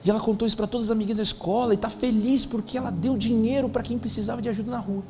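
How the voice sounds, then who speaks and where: A man's voice: high-pitched, steady tone, racing, noisy background. A man, a pastor telling a story in a sermon, acting out the dialogue in casual slang. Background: faint music.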